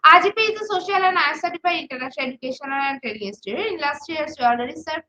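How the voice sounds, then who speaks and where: A woman's voice: high voice, rapid-fire, sharp tone. A woman with a Bangladeshi accent hosting a webinar, reading a scripted introduction in a formal, recited way with small stumbles. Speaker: webinar host. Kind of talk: scripted introduction read aloud. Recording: dull, lo-fi online webinar audio.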